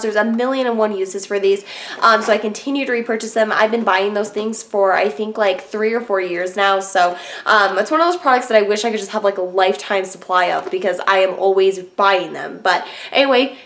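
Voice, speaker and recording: A young woman who reviews beauty products sounds blocked up from a cold as she chats her way through one, padding her talk with fillers and giving blunt opinions. Her voice is mid-range and a bit bright.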